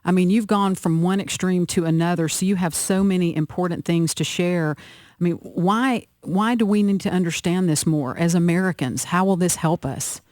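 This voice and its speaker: Male co-host, high voice, dry studio, earnest questions. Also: moderate pace, a little mellow, dry recording. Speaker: radio co-host. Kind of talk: radio interview.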